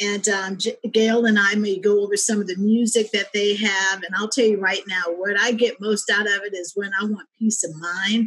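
A woman at a moderate pace, her intonation fairly even, over a quiet background. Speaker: magazine host. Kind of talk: casual friendly chat. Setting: video call. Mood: warm, enthusiastic. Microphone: video call.

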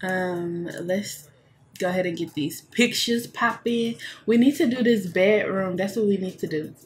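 A woman speaks at a moderate pace, her voice somewhat breathy and her pitch varying in an ordinary way. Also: medium pitch for a woman. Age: 20s. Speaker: gaming streamer. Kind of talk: casual chat. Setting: live stream.

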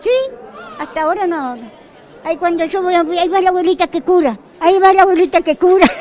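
An extremely high-pitched woman's voice, very fast with long, frequent pauses and ordinary pitch variation, over crowd noise in the background. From Argentina. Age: old. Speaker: folk healer. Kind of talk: interview answer. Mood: cheerful, chatty. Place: hall. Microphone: handheld.

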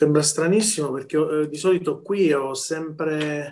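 The speech moves at a very slow pace with fairly even intonation. There is light background noise. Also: man. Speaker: academic speaker; speaker. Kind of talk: conference talk. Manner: halting. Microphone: video call.

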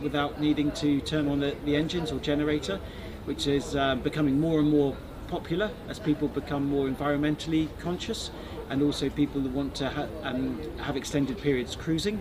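A man's fairly quick, fairly evenly intoned speech over noticeable background noise. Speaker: yacht sales representative. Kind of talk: interview answer. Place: boat.

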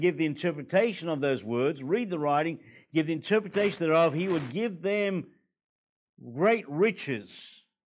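Lively intonation marks this man's high-pitched voice at a moderate pace. The recording is very clean, with a silent background. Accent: Australian. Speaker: pastor. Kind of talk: sermon. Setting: church.

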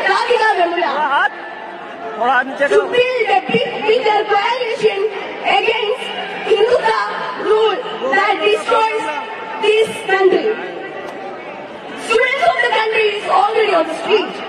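A woman at a fairly slow pace with ordinary pitch variation and long, frequent pauses, crowd noise in the background. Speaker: speaker. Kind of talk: political speech. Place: hall. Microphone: podium.

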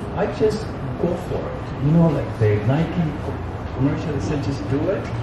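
The speech moves at a very slow pace. Audible room echo and noticeable background noise fill the recording. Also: man. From Cuba. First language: Spanish. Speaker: abstract painter. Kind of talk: panel discussion. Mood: reflective, candid. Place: hall.

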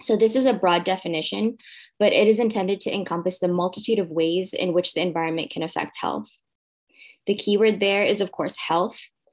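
In a normal speaking voice with an American accent, a woman talks at medium pitch and a fairly quick pace. Her intonation is fairly even, and the background is quiet. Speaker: pharmacist. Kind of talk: conference presentation. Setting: video call.

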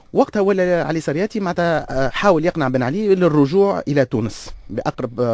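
A dry, close sound with no echo, moderate pacing, and very wide pitch swings. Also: man. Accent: Tunisian. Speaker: son of a former security chief. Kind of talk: radio interview.

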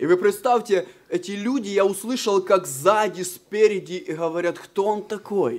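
Male speech pitched high, at a moderate speed, with normal pitch movement. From Ukraine, village. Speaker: visiting preacher. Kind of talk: testimony. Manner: halting, in short phrases for interpreter.

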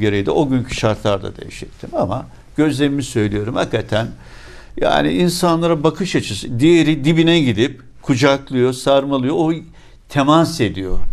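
Against noticeable background noise, a man speaks at a medium pitch and a moderate pace with ordinary pitch variation. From Izmit, Turkey. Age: 60s. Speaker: TV talk show host. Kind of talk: interview.

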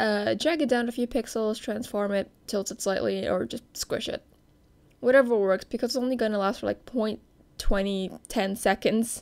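On a very clean recording with a silent background, a woman mumbles at a moderate pace with a fairly high pitch and fairly even intonation. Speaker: animator. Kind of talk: tutorial voice-over. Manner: mumbling, hesitant with pauses.

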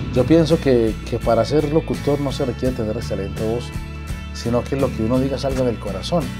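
With clear music in the background, a man at a medium pitch speaks in very wide pitch swings. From Medellín, Colombia. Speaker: radio announcer. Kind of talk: personal testimony to camera about faith and radio career. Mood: warm, reflective, faith-filled. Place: studio. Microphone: lapel.

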